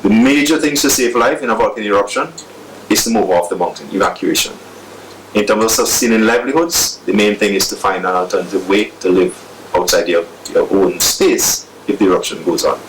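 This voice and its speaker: A man's voice: lowish voice, fairly quick, far from the mic, noisy background. A man explaining disaster preparedness in an interview, with a few restarts.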